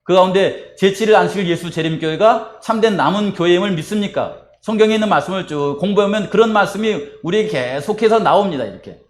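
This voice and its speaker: A man's voice: high voice, fast talker, few pauses. A man preaching as pastor at a church baptism service, posing questions to the congregation and answering them himself. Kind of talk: sermon and baptism rite. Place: church sanctuary.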